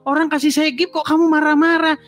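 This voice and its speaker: A man's voice: very high-pitched, little pitch movement, fast talker, a bit bright, faint music behind. A man hosting a heated live-stream debate, mocking and taunting his opponent. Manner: mocking, taunting, laughing at the other side. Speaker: livestream host.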